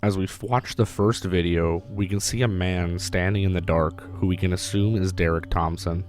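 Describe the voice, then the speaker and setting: Deep-voiced hoarse male commentator. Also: fairly even intonation, normal speed, darkish tone. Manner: casual, blunt, mildly profane. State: hoarse from recent illness. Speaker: YouTube commentator. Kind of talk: narrated video commentary. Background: background music.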